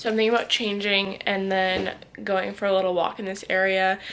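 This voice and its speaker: Moderate-paced speech from a woman, with noticeable background noise. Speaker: flight attendant vlogger. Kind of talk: casual vlog.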